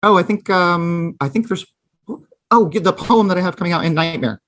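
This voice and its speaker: A man speaking as a guest author on a podcast, easygoing and quick to laugh, with many ums. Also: sits high, a bit bright. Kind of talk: casual podcast chat.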